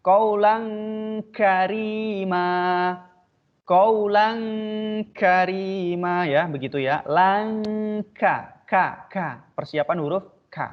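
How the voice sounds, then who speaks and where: A male teacher with a fairly high voice walks students through pronunciation, repeating each Arabic sound slowly and patiently. The recording is dull and lo-fi, with the top end rolled off. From Indonesia. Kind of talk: online tajwid lesson.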